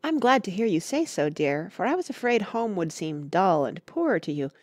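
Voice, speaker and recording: A woman voicing a grave, gentle mother giving measured advice to her daughter in a storybook reading. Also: on the low side, sing-song, no echo, clean studio sound.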